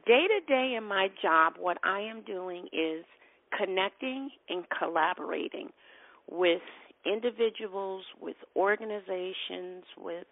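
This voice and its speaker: As a guest in an interview conversation, a middle-aged nonprofit president from Boston speaks earnestly in her Boston accent, restarting and repeating phrases. Her medium-pitched voice is a little slow and shows vocal fry, and the audio sounds tinny, like a phone.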